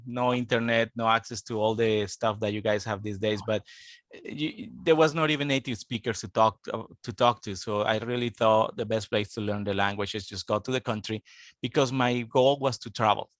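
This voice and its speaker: A man's voice: medium pitch, no echo. Man in his fifties, dry sound. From Colombia. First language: Spanish. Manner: earnest, steady, explanatory. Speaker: guest, international student advisor. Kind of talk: interview, telling his life story.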